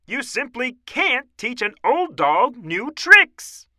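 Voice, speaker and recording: A man's voice: very high voice, very animated, takes it slowly, pushed and bright, no room sound, clean studio sound, pitched above the performer's own voice, exaggerated voice. A man voicing a learned, grave female mouse scientist in an emphatic, lecturing manner for a children's storybook. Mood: grave, urgent.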